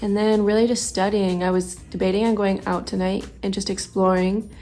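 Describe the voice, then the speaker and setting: A woman's voice: medium pitch, little pitch movement, moderate pace, dark tone, soft background music. A woman vlogging candidly about her freediving course, sounding congested and thinking aloud as she reflects. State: congested, stuffy. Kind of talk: candid vlog to camera.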